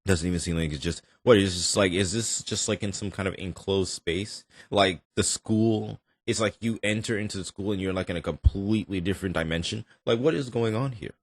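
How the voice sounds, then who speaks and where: A man hosting a reaction video, commenting casually in an animated, rambling and emphatic way. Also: deep voice, brisk, hardly any pauses, no room sound.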